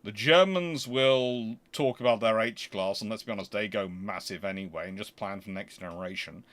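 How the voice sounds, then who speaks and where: A man's voice: on the low side, moderate pace, a bit bright. A man hosting a casual question-and-answer stream, talking in an emphatic, argumentative, conversational way. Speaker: host answering viewer questions.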